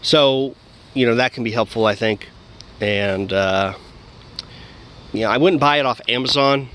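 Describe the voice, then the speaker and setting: A man's voice: medium pitch, a little slow, fairly bright tone, a little hiss or hum. A man talking casually in a vlog, rambling with many fillers and restarts, recorded outdoors. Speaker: diet vlogger.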